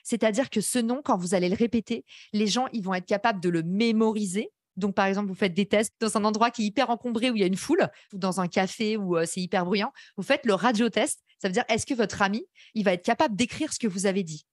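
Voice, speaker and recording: A woman's voice: mid-range voice, fast talker, few pauses, no echo, clean studio sound. A woman with a slight English-tinged accent in French, teaching a podcast workshop in a chatty, enthusiastic way and speaking straight to her audience. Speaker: podcast course instructor.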